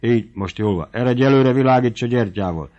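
A man voicing an irascible old country squire who barks orders in shouting tirades. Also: medium pitch, pitched above the performer's own voice, natural voice. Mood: gruff. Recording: dull lo-fi audiobook recording.

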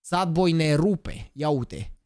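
A man in his twenties, live streaming and chatting, hyper and joking, bursting into shouted catchphrases. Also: a little high, no room sound, studio quality. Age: 20s. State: over-excited. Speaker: gaming streamer.

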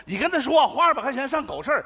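High-pitched stammering comic man. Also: sing-song, very fast, a crowd in the background. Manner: sly, stammering, wheedling. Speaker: comedy sketch performer. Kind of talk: northeastern comic sketch. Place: stage before a live audience. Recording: noisy stage recording.

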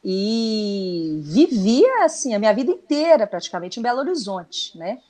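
A Brazilian woman in her thirties, a guest musician with a Minas Gerais Portuguese accent, chats enthusiastically on a casual TV segment over a laptop video call from a small room. Her mid-range voice has a dark tone, big pitch swings and a moderate pace, and she is chatty with lots of fillers.

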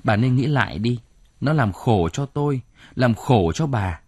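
A weary older father speaks in a grave, stern way, as a man reads him. The voice is dark and husky. It sounds close and dry. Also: mid-range voice, animated, unhurried, dry recording. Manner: sorrowful, stern.

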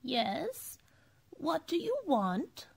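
An actress playing an eccentric little old aunt in a radio play, with a quavering voice, repeating herself abruptly. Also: female voice, high-pitched, very animated, extremely slow, vocal fry, exaggerated voice. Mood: suspicious, sharp.

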